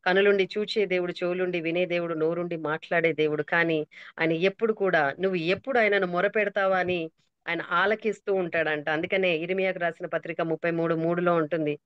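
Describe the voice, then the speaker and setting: A woman's voice: fairly low pitch, fairly even intonation, a little fast, smooth, no room sound, muffled recording. A middle-aged woman giving an emotional, earnest testimony sermon over a call, slipping in English phrases. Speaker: prayer group speaker.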